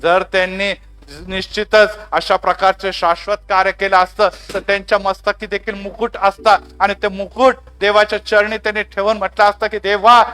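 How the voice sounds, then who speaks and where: A man's voice: high voice, flat delivery, normal speed, a bit bright, clean tone. A male pastor preaching fervently and leading a closing prayer at a church gathering, punctuating his points with repeated exclamations.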